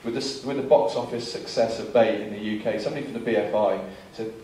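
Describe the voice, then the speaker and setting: A man in his forties speaking as a filmmaker at a seminar, picked up from across a very echoey hall with faint background noise. He tells stories in a lively way and slips into other people's lines as he goes. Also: lowish voice, quick pace, recorded from a distance. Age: 40s. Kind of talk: anecdotal seminar talk.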